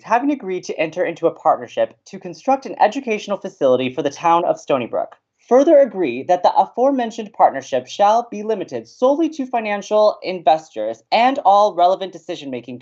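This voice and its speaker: Man playing a very animated young college radio host. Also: sits high, lo-fi sound. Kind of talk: audio drama acting.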